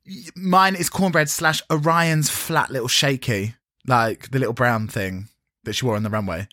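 A man's voice: mid-range voice, moderate pace, pushed and bright, no room sound, clean studio sound. A man co-hosting a podcast, chatting casually and catty about a TV show, with plenty of fillers and strong opinions. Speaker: podcast co-host. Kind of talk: casual chat reviewing a TV show.

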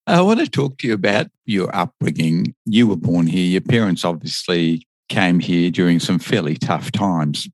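A man's voice: low voice, animated, moderate pace, few pauses, no room sound. A man hosting an interview podcast, chatty and conversational as he asks questions. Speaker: podcast host.

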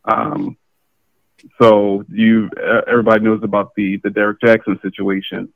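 A man with a low, gravelly voice talks through a tinny phone line that cuts off the highs. He explains his views in a measured way, with pauses and fillers as he thinks. The sound is dry, with no room around it. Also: flat delivery, no echo. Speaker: guest. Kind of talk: casual discussion on a call.

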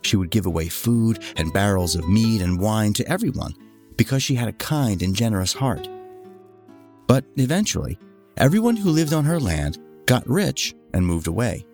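A man's voice: lowish voice, animated, moderate pace, darkish tone, soft background music. A man narrating a scripted fairy tale as a storyteller for all ages.

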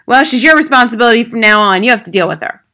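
A man's voice: very high voice, expressive, rapid-fire, bright, forceful tone, pitched above the performer's own voice, full character voice. A woman voicing a rude, impatient, ignorant small man in an audiobook, with a brusque, dismissive delivery. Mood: gruff, dismissive. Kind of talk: acted audiobook dialogue.

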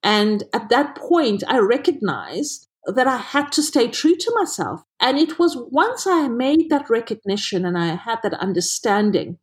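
A woman's voice: on the high side, sing-song, a little slow, hardly any pauses. A middle-aged woman with a South African accent, a podcast guest telling her career story in an earnest, reflective way over a remote call. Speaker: guest, HR director. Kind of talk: podcast interview, personal story.

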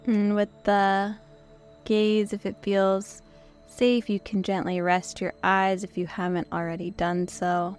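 A woman with a hoarse voice that is nearly gone leads a guided relaxation. She speaks softly and slowly and leaves long pauses between instructions. Faint music plays quietly behind her. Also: medium pitch, little pitch movement. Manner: soft, slow, gentle instructions with pauses. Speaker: podcast host and meditation guide. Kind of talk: guided yoga nidra meditation.

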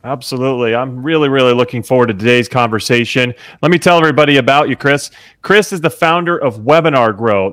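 A man's voice: mid-range voice, a bit bright, no room sound. A man hosts a podcast interview with an upbeat, enthusiastic manner. His voice is mid-range, and the recording is dry, with no room sound. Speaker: podcast host.

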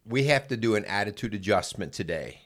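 A man's voice: lowish voice, lively intonation, fairly quick. Upbeat, teasing man co-hosting radio. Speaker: radio show co-host. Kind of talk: casual radio chat.

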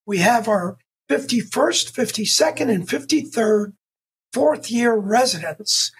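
A man's voice: high voice, husky, low-quality recording. A man hosting a podcast, interviewing students in a casual, upbeat, encouraging way. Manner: upbeat, encouraging, short affirmations. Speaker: podcast host and institute founder.

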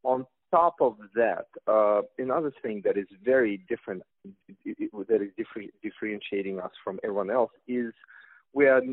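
A man's voice: fairly low pitch, normal speed, no room sound. Russian-accented man on a phone line. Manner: hesitant, many fillers and restarts. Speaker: company representative guest. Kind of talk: interview answers about products. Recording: tinny phone line, dry.

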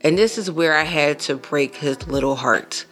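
A woman in her thirties hosting a podcast, telling a personal story in a casual, animated way with emphatic asides to her listeners. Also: deep voice, normal speed. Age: 30s. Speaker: podcast host.

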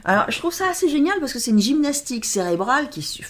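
Lively French woman, quick talker. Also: high voice. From France. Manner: lively, quick, emphatic, animated storytelling. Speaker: guest, stage performer. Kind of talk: casual interview chat.

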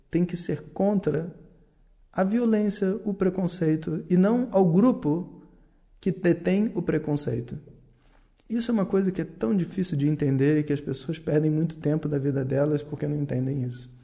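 Earnest Brazilian man, gravelly mellow voice. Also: a little high. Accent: Brazilian Portuguese. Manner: earnest, explanatory, many fillers and pauses. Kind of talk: reflective monologue.

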